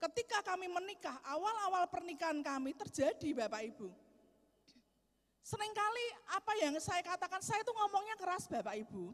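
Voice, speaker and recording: An animated voice at a fairly quick pace, its pitch swinging very widely. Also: woman, extremely high pitch for a woman. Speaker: preacher. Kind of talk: sermon.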